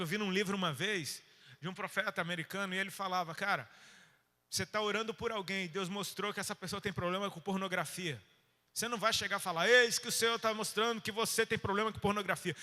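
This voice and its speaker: Brazilian male preacher, slangy storyteller, high and forceful tone, ringing hall sound. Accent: Brazilian Portuguese. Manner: colloquial storytelling with slang, dynamic swings from loud to hushed. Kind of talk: sermon. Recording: reverberant hall.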